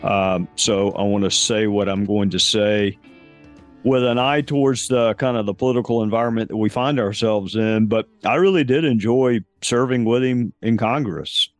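Measured man hosting a podcast. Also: lowish voice, no room sound, soft background music. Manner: measured, thoughtful, with frequent fillers. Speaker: podcast host. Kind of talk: conversational interview.

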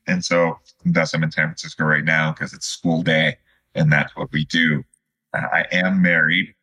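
A man in his fifties from Chicago, answering as a podcast guest in a conversational, halting and reflective way. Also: extremely low pitch, level tone, bright, forceful tone, slightly rough. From Chicago, United States. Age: 50s. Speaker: podcast guest, student physical therapist.

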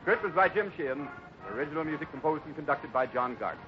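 A man's voice: fairly high pitch, animated, quick pace. A man announcing a radio show in scripted 1950s style. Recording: muffled old radio recording. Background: music.

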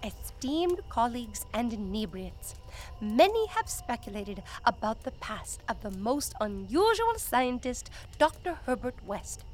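A woman's voice: on the high side, big pitch swings, unhurried, slight background noise. A woman playing a stiff, overly formal storyteller. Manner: pompous, over-precise wording.

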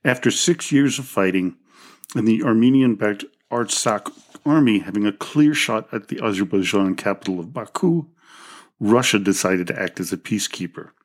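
A man reads out a scripted history narration for his podcast in a fairly low, steady voice. Now and then he trips on a word and corrects himself before moving on. He sounds close to a podcast mic. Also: normal speed. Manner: reads from a script with small slips and self-corrections. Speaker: podcast host.

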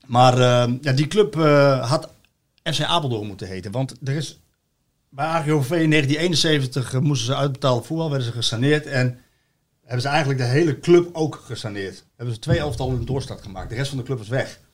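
A Dutch man chats casually about football, spinning long anecdotes. His voice sits in an ordinary middle pitch, and he stumbles through many restarts and fillers as he goes. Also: fast.

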